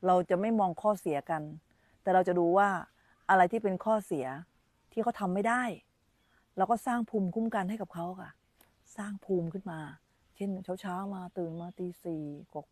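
A woman's voice: medium pitch, fairly even intonation, normal speed, darkish tone, dry recording. A woman meditation teacher giving an informal dharma talk on a live stream, chatty and repeating her phrases as she talks with children around her.

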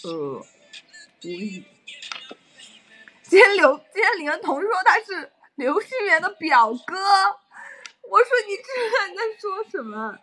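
A woman's voice: extremely high pitch, very animated, a little slow, long pauses, a bit bright, soft background music. A young adult woman chatting casually on a livestream and telling stories animatedly with frequent laughs.

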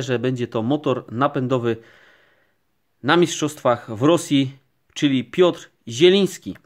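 A man giving calm, unhurried commentary while opening sticker packs, naming each card as it appears. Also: a little high. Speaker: card collecting vlogger. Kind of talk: casual pack-opening commentary. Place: indoors at a table, camera overhead on hands.

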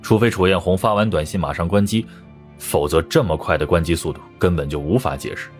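A man's voice: low-pitched, fairly quick, faint music behind. A man narrating a detective audiobook in a scripted, dramatic storytelling style.

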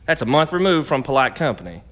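An actor playing a wary, stubborn, protective riverside stand keeper in a period radio drama, with a terse, dry, folksy manner. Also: male voice, medium pitch, sing-song, quick pace, fairly bright tone.

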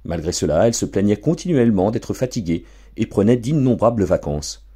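A man narrating a storybook for an audiobook in an expressive, theatrical way. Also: lowish voice, a little fast, breathy edge. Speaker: audiobook reader.

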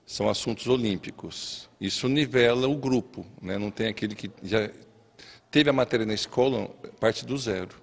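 Gravelly, husky Brazilian male teacher. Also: medium pitch, moderate pace. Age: 50s. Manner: emphatic repetition. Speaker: maths teacher. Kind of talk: interview answers. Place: classroom. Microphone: handheld interview microphone. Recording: long classroom reverb.

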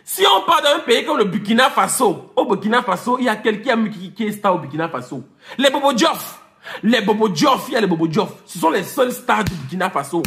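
A man's voice: high-pitched, big pitch swings, fairly quick, creaky, a bit bright, soft background music. A man ranting and teasing his viewers in a comic vlog, repeating names, slipping into English and laughing as he talks. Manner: laughs while talking. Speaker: vlogger. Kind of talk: comic rant to camera.

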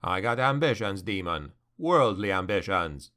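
A man's voice: low voice, lively intonation, measured pace, sharp tone, voice pushed down, heavily acted. A man voicing a grim, ambitious male noble warrior who speaks in a cold, defiant growl.

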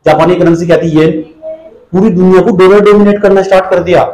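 A man with a high voice teaches an exam-prep class in an echoey room. He drills each point over and over, fires questions at his students and scolds them when they don't follow. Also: fairly even intonation, fast, a little mellow.

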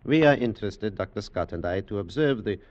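Man acting formal doctor, swooping low voice. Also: lively intonation, a little mellow, close to an everyday voice. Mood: courteous, businesslike. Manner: deliberate, formal, foreign-sounding phrasing. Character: kindly older male doctor, marvelling and formal. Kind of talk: 1940s radio drama acting. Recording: dull old radio recording, music behind.

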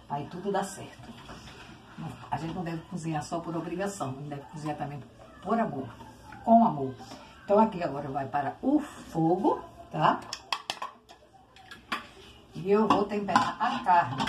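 An older woman with a Brazilian accent talks casually to viewers as she cooks. Her voice sits a little low for a woman. It is recorded on a phone in a home kitchen, with clear noise of pots and dishes around her. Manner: chatty, addresses viewers often, uses diminutives. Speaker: home cooking vlogger. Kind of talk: casual cooking demonstration. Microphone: phone on tripod, short distance. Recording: noisy kitchen with clattering dishes.

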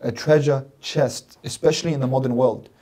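Emphatic man, mellow voice. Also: medium pitch, steady tone, normal speed. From London, England. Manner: emphatic, repeats phrases in lists. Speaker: guest religious scholar. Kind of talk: podcast interview, earnest explanation. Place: small studio set with plants. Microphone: desk mic on stand.

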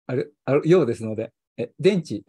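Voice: medium pitch, expressive, fairly quick, mellow, breathy edge, no room sound. A history channel host with a Kansai accent, chatting casually on a livestream, rambling and chuckling often.

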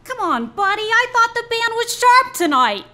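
A woman's voice: very high-pitched, big pitch swings, normal speed, bright, forceful tone, faint music behind, full character voice. A woman playing a plucky young club singer in a live radio play. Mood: coaxing, tart. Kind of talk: live old-time radio play acting.

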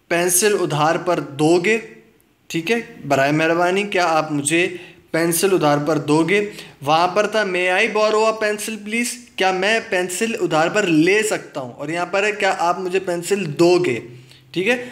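A man teaching English word pairs in Urdu. He reads the English definitions slowly, then explains each one and often checks in with his listeners. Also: sits high, a bit bright. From Pakistan. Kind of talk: video lesson explaining English words in Urdu.

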